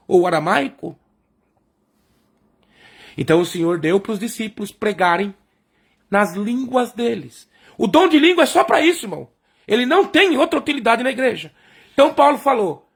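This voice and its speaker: A man's voice: high voice, creaky, breathy edge. A man preaching a sermon, who asks questions and answers them himself and keeps calling the congregation brothers. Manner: explains by asking and answering his own questions; addresses the congregation as brothers and sisters.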